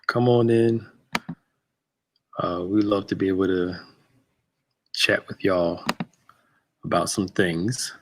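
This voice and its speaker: A man's voice: low voice, takes it slowly, long pauses. A man in his thirties hosting a casual livestream chat, joking and greeting viewers by name. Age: 30s. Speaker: host.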